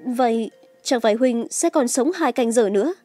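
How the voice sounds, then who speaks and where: A woman's voice: a little high, moderate pace, warm tone, faint music behind, close to an everyday voice. A woman voicing a fierce, devoted young swordswoman with anguished feeling in a martial-arts audiobook. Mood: shocked, trembling.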